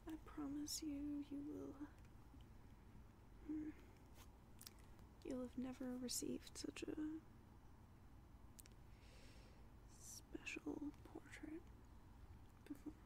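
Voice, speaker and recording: A young woman playing a subtly condescending art student in a hushed ASMR roleplay, half-whispering with hesitant pauses and hums. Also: high voice, level tone, gravelly, slight background noise, full character voice, poor audio. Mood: smug, absorbed. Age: young adult. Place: small dim room at home, indoors.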